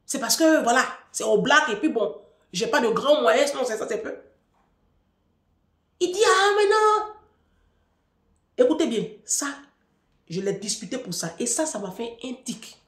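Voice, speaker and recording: A woman's voice: a little high, moderate pace, echoey room. A woman in her thirties telling a personal story as relationship advice, emphatic and speaking straight to her listeners. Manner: lively, emphatic, addresses listeners directly.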